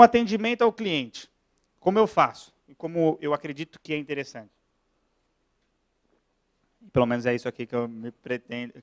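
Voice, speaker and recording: A man from Brazil, a lawyer giving a classroom lecture, talking fast and chatty and checking in with his audience. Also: fairly high pitch. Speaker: lawyer lecturing on pension law.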